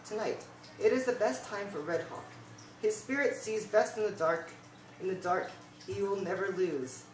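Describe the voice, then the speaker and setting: A young woman playing a stern, measured male tribal chief in an amateur puppet show, with a deliberate storytelling delivery. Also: medium pitch, soft background music, natural voice. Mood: confident. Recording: roomy, distant home recording.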